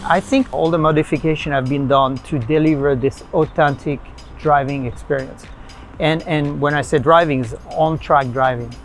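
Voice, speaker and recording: A middle-aged man from France speaks in a French accent, his voice sitting a little high. He talks haltingly, with many pauses and fillers, like a guest chatting in a car. Music plays clearly beneath him. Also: fairly even intonation. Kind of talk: casual interview in a car. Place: inside a car on city streets.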